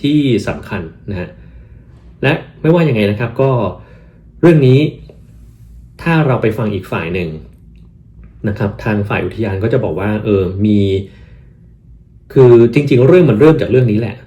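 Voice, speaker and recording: A man's voice: mid-range voice, moderate pace, long pauses. A man from Thailand talking casually as host, giving advice and acting out replies he would give. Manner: animated, acts out quoted replies in English.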